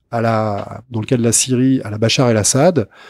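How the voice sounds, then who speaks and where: Recorded very cleanly against a silent background, a man with a dark, mellow tone and medium pitch sounds dry and close with no echo. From France, Landes (southwest). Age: 40s. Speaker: journalist and think tank director. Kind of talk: podcast interview. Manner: halting, many repetitions and hesitations.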